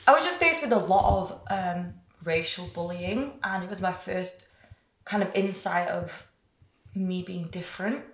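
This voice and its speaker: A woman's voice: on the low side, unhurried, slight background noise. A woman, telling her life story candidly and chattily in an interview. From England. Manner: chatty, frequent "like" and "you know", animated retelling. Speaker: guest. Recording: echoey room.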